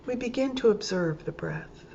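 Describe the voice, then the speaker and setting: A woman teaching yoga nidra, leading a guided meditation calmly and gently, in short phrases with pauses between them. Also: medium pitch. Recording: dull lo-fi sound with clear background noise.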